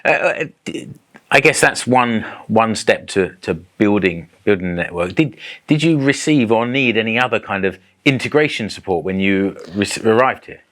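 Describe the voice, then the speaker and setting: A man's voice: lowish voice, expressive, normal speed, a bit bright. A man hosting a podcast interview, introducing his guest and asking questions in a friendly, conversational way. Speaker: podcast host.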